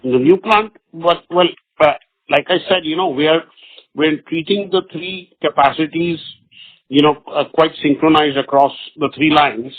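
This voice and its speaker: A man, a company executive answering questions on an earnings call, halting and repeating words. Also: fairly high pitch. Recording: phone-line conference call audio.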